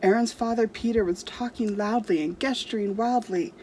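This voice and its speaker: A woman's voice: on the high side, normal speed, a little mellow, a little hiss or hum. A woman storyteller reading a storybook aloud to children expressively.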